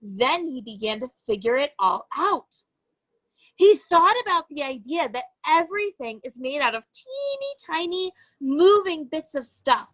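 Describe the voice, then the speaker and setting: High-pitched woman reading a storybook aloud. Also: low-quality recording. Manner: expressive, deliberate phrasing with emphasized key words. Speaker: educator reading a children's book aloud. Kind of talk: children's storybook read-aloud.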